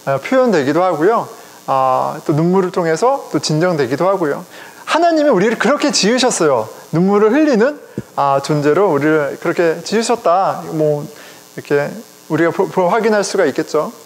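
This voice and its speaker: A middle-aged man, a pastor, preaching a sermon in a conversational, animated way, speaking directly to his congregation. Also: on the high side, moderate pace. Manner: conversational, animated, chuckles often, addresses congregation. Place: church sanctuary. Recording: long reverb of a church hall.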